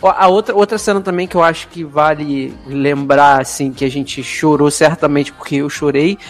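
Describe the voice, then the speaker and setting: A man chatting casually about a film, with expressive, emotional reactions. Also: a little high, moderate pace, faint music behind.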